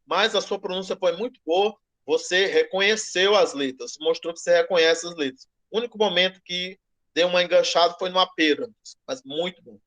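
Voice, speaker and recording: A man teaching a class online, giving feedback with many restarts and slowing down to model pronunciation. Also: sits high, a bit bright. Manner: hesitant, repeats words, slows to model pronunciation. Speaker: Greek teacher.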